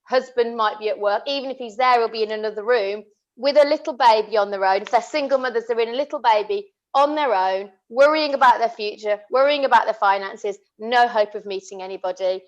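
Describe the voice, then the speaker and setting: Woman, 30s, high-pitched, impassioned casual chat, muffled lo-fi audio. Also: fairly quick. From England. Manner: impassioned, earnest, many restarts. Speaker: podcast co-host. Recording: dull lo-fi audio.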